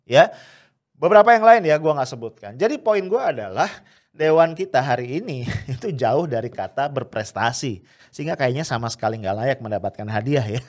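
A man giving casual, emphatic political commentary to his viewers, dropping little tag words and short laughs as he goes. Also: a little high.

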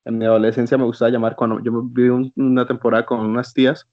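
A man's voice: medium pitch, level tone, quick pace, dry recording. Male host, teasing banter, dry close sound, a bit muffled. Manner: joking, teasing. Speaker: podcast host. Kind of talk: casual chat.

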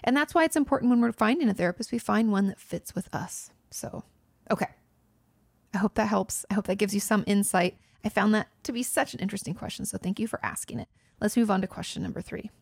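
A woman with a crackly edge to her voice, like the counselor host of an online advice show answering questions close up in a dry, quiet room. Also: mid-range voice, fast talker, creaky, husky, no echo. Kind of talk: casual explanatory advice, reading questions aloud.

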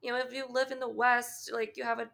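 This is a woman with a Canadian accent whose voice sits a little high yet crackles with constant vocal fry. She talks in a casual, candid way, leaving long pauses between words and dropping the odd swear. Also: little pitch movement, a bit bright. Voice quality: heavy vocal fry, deep voice. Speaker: podcast co-host. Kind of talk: casual chat.

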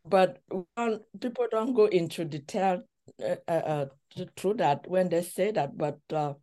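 A middle-aged woman from Cameroon, a relationship coach, telling her story as an interview guest in a thoughtful way with many pauses. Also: fairly low pitch, mellow. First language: a language of Cameroon. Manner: slow, thoughtful storytelling with frequent pauses and fillers.

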